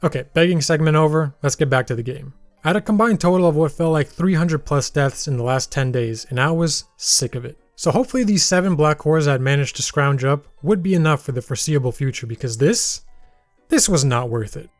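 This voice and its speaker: A man's voice: fairly high pitch, lively intonation, fairly quick, no room sound, faint music behind. A young man narrating his gameplay in a voice-over, with dry, self-deprecating humor. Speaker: gaming YouTuber narrating his playthrough.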